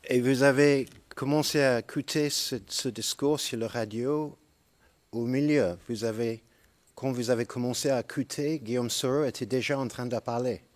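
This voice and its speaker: A man's voice: medium pitch, fairly even intonation, normal speed. A man cross-examining a witness in a courtroom, asking pointed leading questions.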